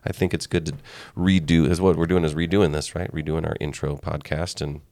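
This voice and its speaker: Male podcast co-host, very deep and gravelly, laid-back and meandering, close dry sound. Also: level tone, fairly quick, a little mellow, no echo. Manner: rambling, easygoing, with frequent fillers. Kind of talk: casual podcast chat.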